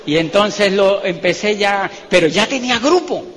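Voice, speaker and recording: A man's voice: high-pitched, normal speed, long reverb tail, slight background noise. A man giving a motivational seminar talk, acting out dialogue and building to emphatic peaks. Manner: animated, acts out dialogue, laughs, rises to emphatic peaks. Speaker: motivational speaker.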